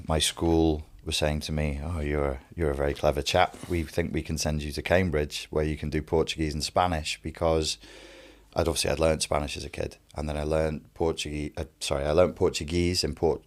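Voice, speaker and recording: Super deep scouse guy telling his life story, talks fluent and brisk. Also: little pitch movement, a little mellow. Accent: Scouse, Wirral. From Wirral, England. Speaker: interview guest, life coach.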